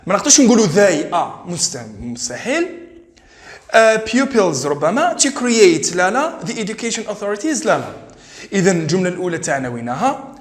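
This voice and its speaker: A man with an Algerian Arabic accent, teaching an English exam lesson in Arabic and English and reading the English sentences slowly, with drawn-out words. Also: sits high, very animated, echoey room.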